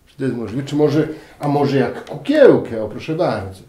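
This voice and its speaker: A priest in his fifties giving a thoughtful spiritual talk to camera, asking questions and then settling into quiet answers. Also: medium pitch, expressive, normal speed, heavy background noise. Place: dim room at a table, indoors. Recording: roomy echo, faint music.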